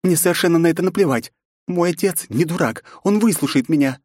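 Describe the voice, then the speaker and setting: A man's voice: fairly high pitch, normal speed, a little mellow, slightly rough, no room sound, pitched above the performer's own voice. A man voicing a fierce, defiant young princess in an audiobook, raising his voice to play her. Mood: determined. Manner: mocking, defiant.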